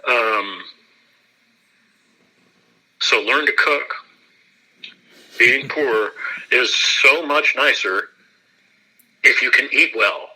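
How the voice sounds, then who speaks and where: A man, an actor, giving a relaxed and self-deprecating interview, laughing often as he talks. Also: medium pitch, extremely slow, pauses often, breathy edge, low-quality recording.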